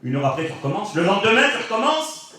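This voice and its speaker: Man from brittany, pastor, animated sermon, fairly high voice, echoey church hall, distant mic. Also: rapid-fire. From Brittany, France. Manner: animated storytelling, swinging from hushed to loud.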